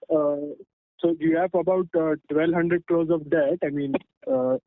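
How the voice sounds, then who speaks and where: A man asking careful questions as an analyst on a conference call, heard over a phone line and pausing on fillers as he works through figures. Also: fairly high pitch, flat delivery, no echo. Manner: methodical, pauses on fillers while working through figures. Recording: tinny dry phone line.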